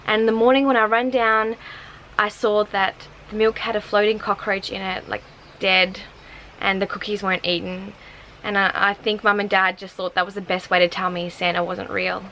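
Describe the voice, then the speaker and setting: A woman in her twenties talks chattily to camera on a porch, her voice sitting in a middle range for a woman. German was her first language, and her talk is loose and full of "like". Faint outdoor sounds hang quietly behind her. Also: mid-range voice, little pitch movement, moderate pace, a little hiss or hum, poor audio. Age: 20s. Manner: chatty and upbeat, with lots of "like" fillers. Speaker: vlogger. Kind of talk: casual chat to camera. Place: porch in front of wooden shutters, outdoors. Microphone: camera in front at chest height.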